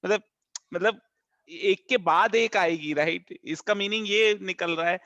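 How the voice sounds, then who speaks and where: A man's voice: sits high, a little slow, sharp tone, no echo, highs cut off. A man questioning his teacher in class, probing and mixing English words into his questions. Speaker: student asking questions.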